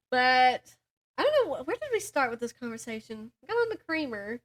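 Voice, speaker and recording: A woman's voice: sits high, very animated, normal speed, darkish tone. A young adult woman co-hosting a podcast, chatting casually with a friend and telling rambling stories in a giggly manner. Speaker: podcast co-host. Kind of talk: casual chat between friends.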